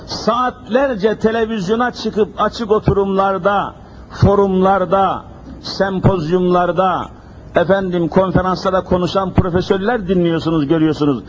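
At the pulpit microphone, a man delivers an emphatic sermon full of repeated rhetorical questions. He speaks at normal speed in a high, steady voice, and the lo-fi recording sounds dull with a faint hiss.

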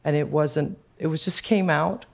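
A woman music producer with a deep, dark voice, chatting as a podcast guest, enthusiastic and hesitant with lots of fillers and restarts. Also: fairly even intonation, moderate pace, gravelly. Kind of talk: casual podcast chat.

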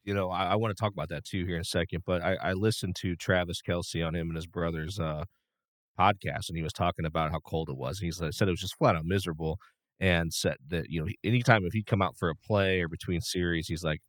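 A man co-hosting a sports talk show, giving animated opinions in casual chat with plenty of fillers and restarts. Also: low voice, fast, no echo.

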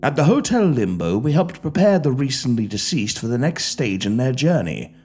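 A man voicing a courteous, amicable elderly gentleman who greets the newly dead in an audio story, with a gentle and soothing manner. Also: medium pitch, big pitch swings, moderate pace, breathy edge, faint music behind, pitched above the performer's own voice. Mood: reassuring. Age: older.

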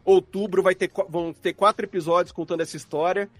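A man's voice: sits high, steady tone, fast, no room sound. A man with a Brazilian Portuguese accent chatting casually as a guest in a live podcast interview. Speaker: podcast guest, audio drama producer.

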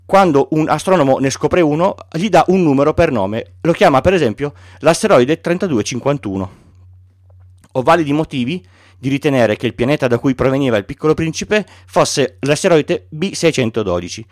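Male host reading a storybook aloud, unpolished with restarts; slightly high, very lively voice. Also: moderate pace, no room sound, studio quality. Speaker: podcast host.

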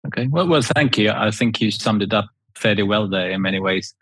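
A man from Sweden, a guest architect talking reflectively in an interview, sometimes pausing to find words. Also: fairly low pitch, fairly bright tone, husky, no room sound. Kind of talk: casual interview talk.

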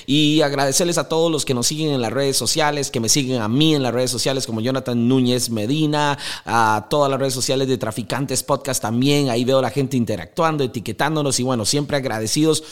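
A young adult man with a Costa Rican accent, hosting a motivational podcast and speaking in an energetic, emphatic, preaching manner. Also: medium pitch, brisk, few pauses. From Costa Rica. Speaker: podcast host.

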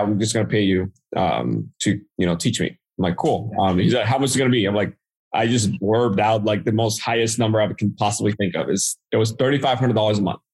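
A man's voice: fairly low pitch, a little mellow, slightly rough. A man from the Dominican Republic, a native Spanish speaker with a Dominican accent, casually telling his story as a podcast guest. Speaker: podcast guest, marketing entrepreneur.

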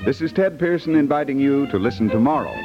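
A man's voice: mid-range voice, expressive, fast talker, music in the background. An American man reading scripted copy as a 1950s radio announcer. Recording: dull 1950s radio recording.

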